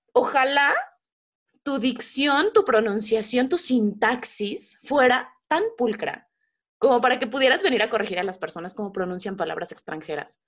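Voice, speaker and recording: A woman's voice: high voice, a bit bright. A young Mexican woman co-hosting a podcast, ranting playfully and laughing often in casual chat. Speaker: podcast co-host.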